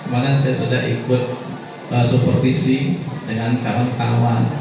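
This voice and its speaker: A man giving a formal welcome speech as a school leader, in deliberate, drawn-out phrases with pauses. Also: medium pitch, little pitch movement. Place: large reverberant indoor hall with an audience. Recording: very echoey hall, distant muffled mic, audience noise.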